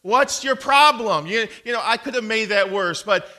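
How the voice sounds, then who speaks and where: A man's voice: sits high, bright, forceful tone. A man preaching a sermon as a pastor, telling a personal story in a folksy way and reading out Bible verses. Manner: storytelling, folksy, deliberate with repeated verse references.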